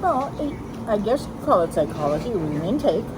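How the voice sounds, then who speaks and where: A woman's voice: mid-range voice, big pitch swings, a little fast. A middle-aged or older American woman telling stories about herself in a candid, plain-spoken, casual way as an interview guest. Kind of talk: casual conversational storytelling. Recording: loud outdoor street noise, vehicles.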